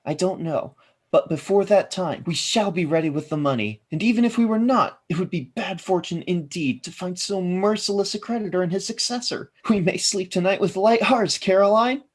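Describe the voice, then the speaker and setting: An actor playing a worried husband in debt, earnest and grave, in a radio drama. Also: male voice, high-pitched, moderate pace, husky. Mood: grave hope. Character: worried, debt-ridden husband, gently hopeful.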